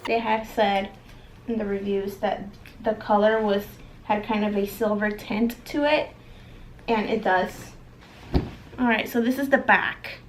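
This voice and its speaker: A woman's voice: medium pitch, steady tone, measured pace, a little hiss or hum, low-quality recording. A young woman casually reviewing products for her vlog at home, talking straight to viewers with lots of ums and likes. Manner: chatty, addresses viewers as guys, many ums and likes. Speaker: vlogger. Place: at home, bedroom and stairs.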